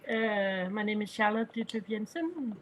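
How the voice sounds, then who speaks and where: A woman from Denmark introducing herself on a video call, brisk and upbeat. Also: medium pitch, animated, a little hiss or hum. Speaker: facilitator, participant.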